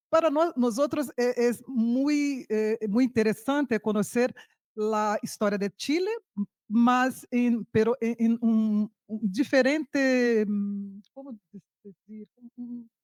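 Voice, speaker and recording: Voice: medium pitch, darkish tone, no echo, studio quality. A native Portuguese speaker with a Brazilian accent asking a question in Spanish during a video-call seminar, searching for words. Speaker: seminar participant.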